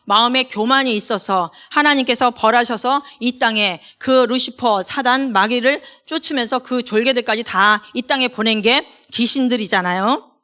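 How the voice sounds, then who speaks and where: A middle-aged woman preaching from the pulpit, her tone bright and forceful. She reads scripture in a slow, measured way and asks the congregation questions as she goes. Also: on the high side. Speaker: associate pastor. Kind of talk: sermon.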